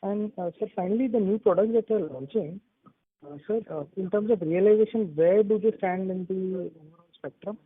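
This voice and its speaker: A man's voice: high-pitched, normal speed, breathy edge, dry recording. A man asking questions as an analyst on a conference call, polite and somewhat hesitant. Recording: narrow dry phone line.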